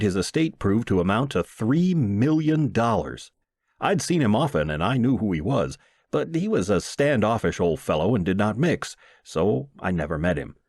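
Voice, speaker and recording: A man reads a comic short story as an expressive narrator. His voice sits fairly low and moves around a lot in pitch. The sound is dry, with very little room in it. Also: dry recording. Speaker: audiobook narrator and reader.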